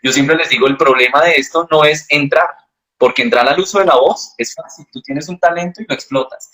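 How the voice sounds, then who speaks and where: A man's voice: a little high, brisk. A man answering as a voice specialist in an interview, explaining patiently and teaching with examples. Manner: calm, didactic, uses examples. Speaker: voice specialist guest.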